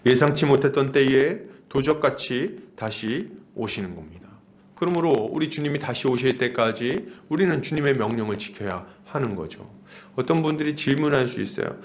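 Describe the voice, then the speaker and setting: A man's voice: mid-range voice, lively intonation, normal speed. A man of about forty preaching an expository sermon as a pastor, using emphatic repetition and rhetorical questions.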